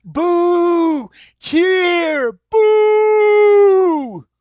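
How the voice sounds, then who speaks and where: A woman playing a rowdy wrestling fan, chanting and heckling in loud, drawn-out cries at a staged reading. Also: very high voice, dull audio, full character voice. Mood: jeering.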